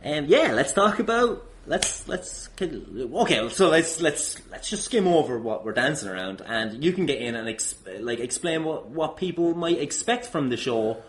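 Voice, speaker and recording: A man's voice: a little high, sing-song, normal speed, few pauses, a little hiss or hum. Informal, hesitant man hosting a podcast. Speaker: podcast host. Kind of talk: casual chat interview.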